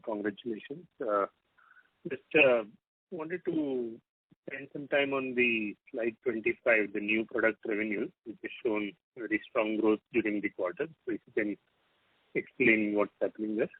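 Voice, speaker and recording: A man's voice: on the low side, moderate pace, breathy edge, no echo. A man, an analyst caller asking questions on an earnings call in a hesitant way. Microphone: telephone. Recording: tinny, dry phone line.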